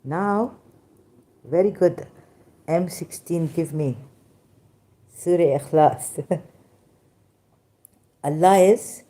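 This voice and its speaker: A woman with a Pakistani accent and Sindhi as her first language, giving an informal religious talk in halting, broken English with many restarts, tired and soft-spoken as she goes on. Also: on the low side. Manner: tired, winded and soft-spoken in later part. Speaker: religious commentator.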